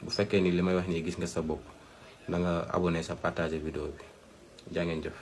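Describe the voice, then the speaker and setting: A man's voice: sits low, little pitch movement, brisk, a little mellow, a little hiss or hum. A Senegalese man, host of a health channel, explaining advice to viewers in an instructive way with emphatic repetition. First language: Wolof.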